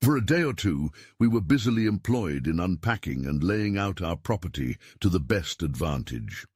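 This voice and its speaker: A man reading a literary story as narrator, in a measured, formal storytelling manner. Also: low voice, animated, a little mellow, breathy edge, no room sound, clean studio sound. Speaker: audiobook narrator.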